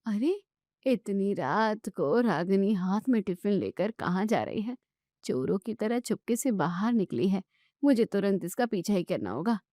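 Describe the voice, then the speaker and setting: A woman voicing a sharp-tongued, suspicious middle-aged mother-in-law who scolds and demands. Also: mid-range voice, very animated, measured pace, no room sound, studio quality.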